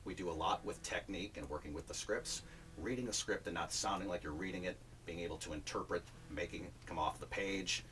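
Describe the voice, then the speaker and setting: Deep low-voiced guy talking voiceover coaching, kinda far from the mic, faint hiss behind. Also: a little fast, a bit bright. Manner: chatty, joking, promotional. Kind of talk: casual interview chat. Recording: distant mic with faint ambience.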